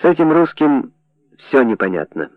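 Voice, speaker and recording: Мужчина-чтец играет циничного западного журналиста, говорит резко и напористо. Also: male voice, mid-range voice, sing-song, normal speed, no echo, voice pushed up, natural voice. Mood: brash. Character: cynical Western journalist, brash man. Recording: dry narrow phone-like sound.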